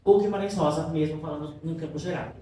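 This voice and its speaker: This literature teacher speaks quickly and warmly, his voice on the high side with fairly even intonation. He keeps asking his students questions and checking in, affectionate toward the class during this lecture in a cultural center classroom. The recording has heavy echo, a distant voice, and faint background noise.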